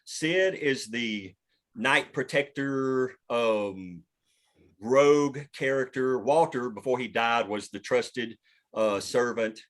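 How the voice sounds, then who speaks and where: A man leading a table read, talking casually through a story in a halting way, pausing mid-sentence to find his words, with some casual swearing. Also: mid-range voice. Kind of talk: casual group discussion explaining a story.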